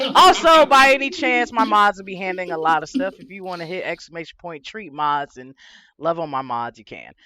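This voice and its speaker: Speaking at a fairly quick pace, a woman with a medium pitch makes very wide pitch swings and big swings in loudness. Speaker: streamer hosting a makeup show. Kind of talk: live stream hosting, casual. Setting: live stream with chat.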